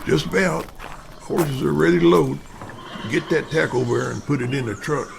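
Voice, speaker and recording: A man's voice: fairly high pitch, fairly even intonation, moderate pace, creaky, noisy background. An actor playing a practical, seasoned outdoorsman in an audio drama, terse and matter-of-fact. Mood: practical, relaxed. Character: seasoned outdoorsman father-in-law, gruff and practical.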